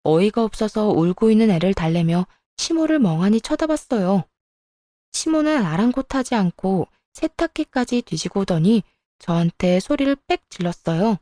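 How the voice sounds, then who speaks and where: A woman's voice: medium pitch, big pitch swings, normal speed, mellow, no echo, studio quality. A woman narrating a first-person story as a young wife, with a plaintive, exasperated way of telling it.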